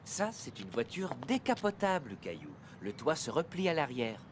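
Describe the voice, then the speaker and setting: A man's voice: on the high side, very animated, normal speed, noisy background. A man voicing an easygoing, helpful father in a French preschool cartoon, agreeable and explaining things simply. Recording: loud music bed behind the voice.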